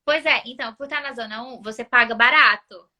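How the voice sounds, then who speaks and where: Young woman, casual guest. High, bright voice, an animated storyteller who climbs in pitch at the dramatic moments. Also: a little fast. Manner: animated storyteller, voice jumps up when retelling. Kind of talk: casual chat.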